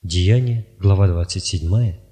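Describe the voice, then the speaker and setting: A man reading spiritual writings aloud in a measured, solemn, even delivery. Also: low-pitched. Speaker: audiobook reader.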